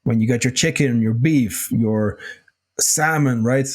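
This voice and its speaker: Male podcast host, mid-pitched, slightly hoarse voice, laid-back solo Q&A delivery, informal and a bit sweary. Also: unhurried. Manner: casual, swears freely, many fillers. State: slightly hoarse, clears throat. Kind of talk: casual solo Q&A talk.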